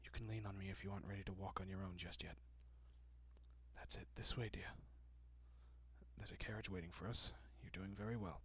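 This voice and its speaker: Man acting soft, low, breathy gentleman vampire. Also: steady tone, a little fast, long pauses. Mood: gentle, reassuring. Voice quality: soft, breathy, often dropping to a whisper. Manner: hushed, reassuring, politely old-fashioned. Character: gentle, courteous wealthy male vampire, soothing and possessive. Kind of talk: intimate audio roleplay, addressing the listener.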